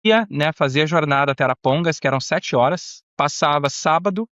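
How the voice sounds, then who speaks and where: A man's voice: fairly high pitch, brisk, fairly bright tone, no room sound, lo-fi sound. A Brazilian man with a São Paulo accent hosting a podcast interview in an informal, slangy, conversational way. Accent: Brazilian Portuguese, São Paulo. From Brazil, São Paulo state. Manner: informal, peppers talk with slang.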